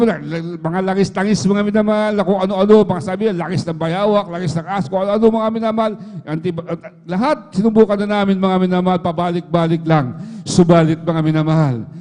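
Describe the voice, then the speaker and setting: A man's voice: sits high, darkish tone. A middle-aged man giving a church testimony, addressing the listeners again and again. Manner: fills nearly every phrase with a repeated address to the listeners. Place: church hall. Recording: echoey church hall livestream.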